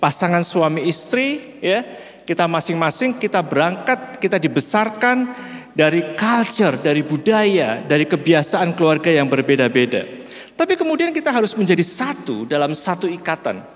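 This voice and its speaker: A middle-aged male pastor with a Central Javanese accent preaches in a slow, measured way and keeps addressing his listeners directly. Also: a little high, very animated. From Central Java, Indonesia. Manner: slow, measured delivery, often calls listeners "brother". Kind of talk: sermon. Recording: reverberant church hall.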